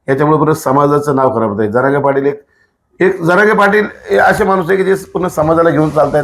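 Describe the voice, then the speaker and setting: A man's voice: on the high side, vocal fry. A man, an activist answering in a casual interview in a blunt, emphatic way with rhetorical questions. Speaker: political activist, interview guest.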